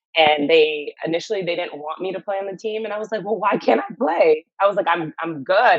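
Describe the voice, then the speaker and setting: In a New York accent, a woman speaks at a fairly quick pace. Her tone is animated, and her pitch varies in an ordinary way. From US Northeast, Long Island, New York. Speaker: former basketball player and event business owner. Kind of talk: podcast interview.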